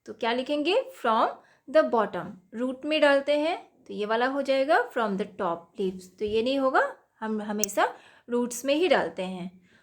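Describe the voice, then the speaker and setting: An Indian woman teaching a children's English lesson. Her voice sits a little high and she talks at an unhurried pace, reading the English questions out slowly before explaining them. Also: animated.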